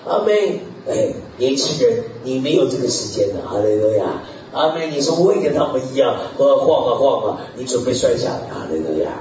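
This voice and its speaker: A man preaching a sermon in an animated way, peppering his talk with hallelujah and amen, chuckling often and sometimes bursting into shouts. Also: medium pitch, brisk, few pauses, noisy background. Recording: echoey hall, distant mic, dull lo-fi.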